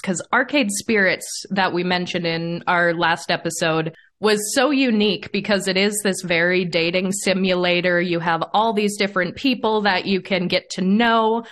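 A woman's voice: lowish voice, a bit bright. A woman hosting a podcast, interviewing in a conversational, enthusiastic and effusive way. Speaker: podcast host.

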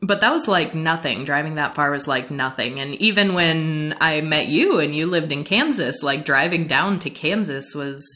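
A young adult woman from the Midwestern United States, chatting casually as a podcast co-host, animated and laughing often. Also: low voice, moderate pace, few pauses. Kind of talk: casual chat recapping an anime series.

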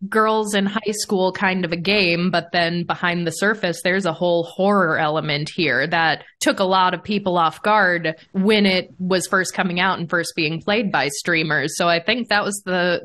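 A woman's voice: medium pitch, a bit bright. A woman hosting a casual interview, talking in a chatty, enthusiastic and emphatic way. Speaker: podcast host.

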